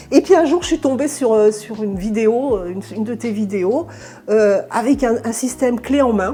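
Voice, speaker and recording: Lively intonation marks this woman's speech. She sounds fairly high and goes at a moderate pace. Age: 60s. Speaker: retired accountant running a concierge business. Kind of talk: casual interview. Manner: halting, many hesitations.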